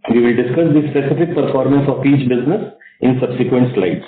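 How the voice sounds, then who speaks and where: A man's voice: mid-range voice, fairly even intonation, brisk. A man with an Indian accent formally and methodically presenting financial results as a company executive. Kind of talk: scripted investor presentation. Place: conference call. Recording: roomy, narrow phone conference line.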